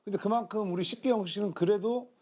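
A man's voice: sits high, fast talker, darkish tone. A man hosting a studio panel, giving casual reaction commentary on noisy audio with clicks.

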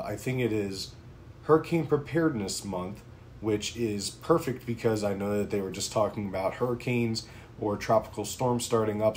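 A Pennsylvania man in his thirties hosts a prepping channel, talking informally to camera from a small home office and saying "um" a lot. His fairly low voice has a darkish tone, with slight background noise in this casual talking-head vlog.

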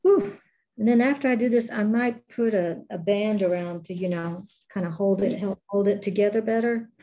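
A woman's voice: medium pitch, normal speed, dark tone, poor audio. A middle-aged woman teaching a clay class, chatting casually and thinking aloud with many fillers as she works. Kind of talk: casual chat while demonstrating.

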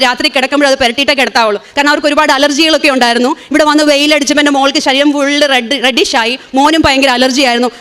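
A woman's voice: high voice, fairly bright tone. A woman in her forties from Kerala, India, giving a fervent, emotional church testimony with frequent restarts. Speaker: testimony giver.

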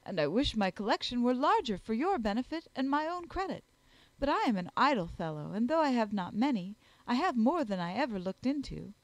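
An amiable young gentleman from a period storybook, played by a woman narrator. He is earnest, modest and courteous, with an animated rise and fall to his speech and a dry, close sound. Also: fairly high pitch, a little fast, no echo. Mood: self-deprecating.

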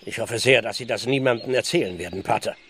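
An actor playing an excitable, easily exasperated village police constable in a German audio drama. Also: male voice, mid-range voice, fast talker, husky. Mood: embarrassed. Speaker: actor in a radio play.

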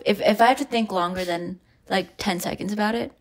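A woman's voice: medium pitch, brisk, crowd noise. A young woman hosting a podcast, chatting casually in a blunt, teasing way. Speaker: podcast host. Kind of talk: casual chat.

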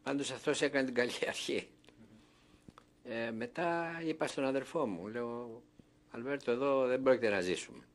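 An older man from Thessaloniki with a medium-pitched voice gives oral history testimony as an interviewee. He tells his story by acting out conversations he remembers.

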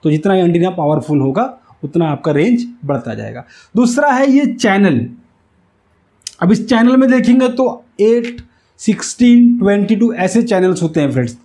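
A man with a high-sitting, mellow, sing-song voice talks at normal speed. He explains step by step like an instructor in a whiteboard tutorial, didactic and repeatedly checking that he's understood. He wears a lapel mic in a small indoor room with a whiteboard.

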